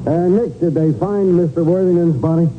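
A man's voice: a little high, moderate pace, narrow, tinny audio, slight background noise, lightly acted. An inquisitive man played by an actor who assists a detective in a 1940s radio mystery. The audio is thin and band-limited, like an old broadcast. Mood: curious. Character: inquisitive male associate of a private detective. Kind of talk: 1940s radio crime drama acting.

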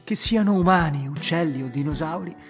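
A man voicing a sarcastic, sharp-tongued woman who teases and mocks. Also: sits low, brisk, soft background music, pitched above the performer's own voice, close to an everyday voice. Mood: mocking. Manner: teasing and mocking.

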